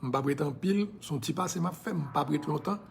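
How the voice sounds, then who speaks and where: Impassioned Haitian man, higher voice. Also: fast, gravelly, a little hiss or hum. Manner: impassioned, preachy, slips into English phrases. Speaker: social media personality. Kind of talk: casual live video monologue.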